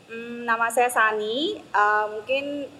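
A middle-aged Korean woman, a foreigner speaking fluent but hesitant Indonesian with a Korean accent as an interview guest, often pausing to find words. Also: fairly high pitch, fairly even intonation, sharp tone, big-room sound, a little hiss or hum. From South Korea. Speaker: interview guest, embassy senior researcher. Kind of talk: conversational interview answers.

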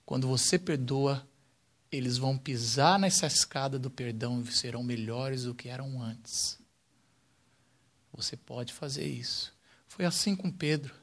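A young man from Brazil preaching a sermon with animated swings between loud, excited stretches and quiet, hushed ones. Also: mid-range voice, unhurried. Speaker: pastor.

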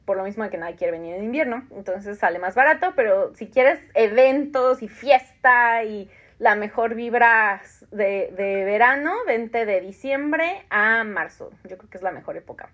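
A woman's voice: fairly high pitch, animated, normal speed, fairly bright tone, muffled recording. A Mexican woman in her thirties, hosting a podcast in a casual chat, reading out listener comments and answering them, with frequent laughs. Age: 30s. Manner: chatty, laughs often, reads comments aloud. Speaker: podcast host.

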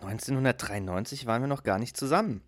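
A tired wife answers her husband in flat, skeptical remarks, as a man reads her sitcom lines. The voice sits in a middle pitch and sounds close and dry. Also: fast, no room sound, natural voice. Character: weary, unimpressed wife at dinner. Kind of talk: read-aloud sitcom dialogue.

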